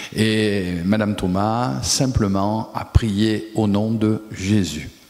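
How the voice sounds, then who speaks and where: Speaking very slowly, the man has a fairly low voice whose pitch varies in an ordinary way. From France, Nice. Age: 70s. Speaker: pastor. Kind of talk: testimony. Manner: halting, many hesitations.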